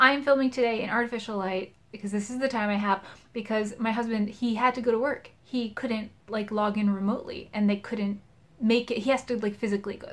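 A woman speaks in a somewhat breathy voice with a monotone, flat intonation. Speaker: book vlogger. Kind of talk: casual vlog chat. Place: home room. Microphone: phone near.

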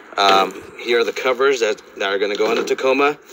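Noticeable background noise sits under a man speaking at a moderate pace with fairly even intonation. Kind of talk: tutorial. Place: street.

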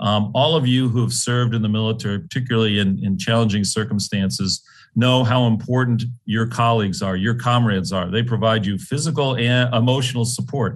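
A fairly quick-paced man with fairly even intonation over a quiet background. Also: very even loudness. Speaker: state senator and retired army colonel. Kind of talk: panel discussion. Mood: earnest, reflective. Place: home room. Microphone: video call.

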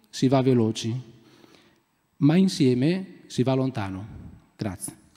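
A man speaks very slowly in a dark, mellow tone. The background is quiet. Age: 40s. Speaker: real estate agent, association official; candidate. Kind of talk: conference speech. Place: stage. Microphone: podium.

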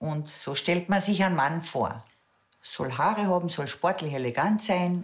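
A woman speaks at a fairly slow pace in a fairly low, somewhat breathy voice. The background is quiet. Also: lively intonation. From Carinthia, Austria. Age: 50s. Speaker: retired hairdresser. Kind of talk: interview answer. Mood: cheerful, confident. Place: home room.

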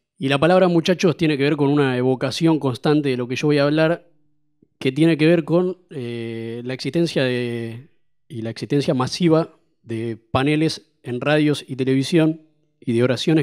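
A man's speech moves at a moderate pace, his pitch varying in an ordinary way against a quiet background. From Argentina. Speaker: sports journalist. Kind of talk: panel talk. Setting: auditorium with audience. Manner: hesitant, frequent fillers. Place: hall. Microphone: handheld.

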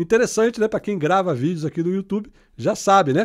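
Against a quiet background, a man speaks with lively intonation. His pitch is high. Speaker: tech YouTuber. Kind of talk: tutorial. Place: home room. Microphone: studio mic.

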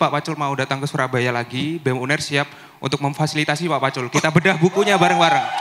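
Fairly high in pitch, a man speaks in a bright, sharp tone with fairly even intonation. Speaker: university student; audience member. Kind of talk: audience question. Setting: stage with audience. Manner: halting. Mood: polite, respectful. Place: hall. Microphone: handheld.

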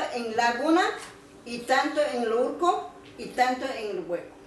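A woman's high voice with very wide pitch swings, at a fairly slow pace over noticeable background noise. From Ecuadorian Amazon, Pastaza. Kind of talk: talk about forest and plants.

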